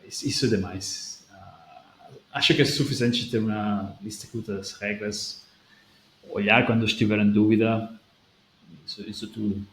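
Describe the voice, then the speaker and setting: A man's voice: lowish voice, steady tone, measured pace, long pauses, a bit bright. A man hosting a language-learning video, talking through a viewer comment in casual talk and thinking aloud with restarts. He speaks Portuguese with a non-native accent that leans European. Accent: non-native speaker of Portuguese, European Portuguese leaning. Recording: echoey room with faint background noise.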